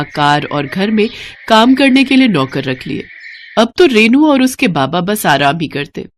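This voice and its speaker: A woman storyteller reading a scripted tale as narrator. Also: on the low side.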